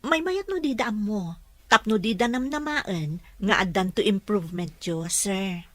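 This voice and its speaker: A mid-pitched female voice with a Filipino Ilocano accent, recorded dry and close. An actress plays a gentle young caregiver, respectful and deferential, in an audio drama. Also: animated, unhurried, no room sound.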